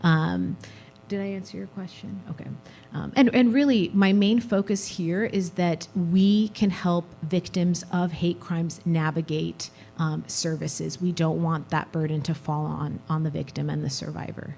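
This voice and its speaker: A woman's voice: on the low side, steady tone, a little slow, gravelly, mellow, slight background noise. A woman from a district attorney's office answering questions on a town hall panel in a conversational way, with filler "um"s. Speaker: district attorney's office victim services representative.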